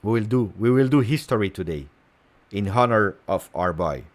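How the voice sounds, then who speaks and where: A man's voice: on the low side, expressive, moderate pace. A man hosting a casual football livestream, playful and chatty, who keeps stopping and repeating words. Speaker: football channel host.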